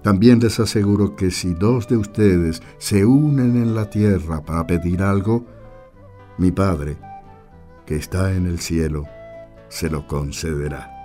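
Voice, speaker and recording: A man reading scripture as a Gospel reader, solemn, measured and deliberate. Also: sits low, mellow, soft background music.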